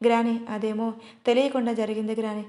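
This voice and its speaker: A gentle, unsure young husband, voiced by a woman storyteller. He speaks softly and reassuringly in a high, level voice, with a roomy echo around it. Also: level tone, fast talker, natural voice.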